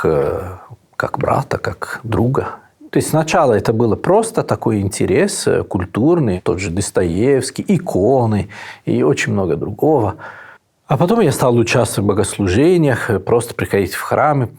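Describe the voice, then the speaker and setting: A man who is not a Russian speaker, a priest answering interview questions in a slow, thoughtful way with frequent pauses. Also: lowish voice, very animated, gravelly, darkish tone, breathy edge. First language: Italian. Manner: unhurried, thoughtful, frequent hesitations. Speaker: Orthodox priest and monk, interview guest. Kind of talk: reflective conversational answers.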